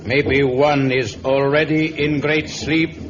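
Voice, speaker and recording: Man acting a stern tribal chief, slow and halting. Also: mid-range voice, flat delivery, natural voice. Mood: suspicious, menacing. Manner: halting, clipped broken English. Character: stern superstitious male chief of a jungle tribe. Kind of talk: old radio serial acting. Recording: muffled, noisy vintage radio recording.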